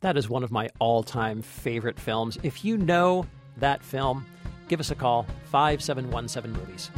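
A man's voice: mid-range voice, animated, normal speed, faint music behind. A man co-hosting a movie podcast in a casual, chatty style. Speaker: podcast co-host.

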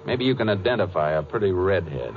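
An actor playing a calm, businesslike Texas Ranger in a 1950s radio western, terse and matter-of-fact, with an American accent. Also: male voice, low-pitched, a little fast. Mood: probing, firm. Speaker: lead actor and narrator. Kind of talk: 1950s radio western crime drama acting. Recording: muffled, noisy 1950s radio recording.

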